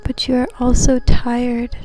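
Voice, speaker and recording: A woman leading a guided meditation in a soothing, gentle, unhurried manner. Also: a little high, monotone, poor audio. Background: soft background music.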